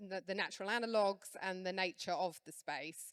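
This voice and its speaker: Her medium-pitched voice, a woman's, holds a fairly even intonation. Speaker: concept designer at a flooring company. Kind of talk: panel talk. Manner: loud.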